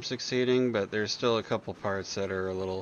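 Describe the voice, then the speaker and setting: This man has an ordinary speaking voice, fairly low in pitch, moving at a fairly quick pace with fairly even intonation. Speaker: gaming YouTuber. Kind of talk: gameplay commentary. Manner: casual with frequent filler words. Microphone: old gaming headset mic, poor audio quality.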